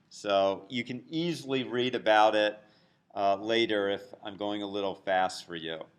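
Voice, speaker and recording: The clip features an ordinary speaking voice. Its pitch variation is ordinary, and the pace is moderate. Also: man, fairly low pitch for a man. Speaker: university lecturer. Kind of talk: lecture.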